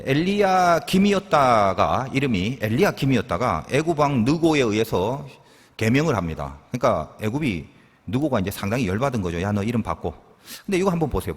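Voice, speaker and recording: A male pastor delivers a sermon in a relaxed, teaching way, posing questions to the congregation and answering them himself. His voice is husky and swings widely in pitch. The sound carries the long reverb of a church hall. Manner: conversational teaching with rhetorical questions and asides.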